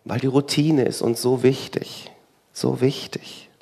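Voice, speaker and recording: A man's voice: mid-range voice, flat delivery, unhurried, vocal fry, mellow, husky. A man preaching a sermon in a conversational way, full of rhetorical questions and wry asides.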